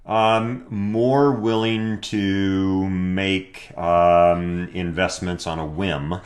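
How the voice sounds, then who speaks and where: A man with a deep radio voice, talking hesitantly with many fillers in a casual conversation with his wife. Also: steady tone, very slow. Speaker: guest spouse.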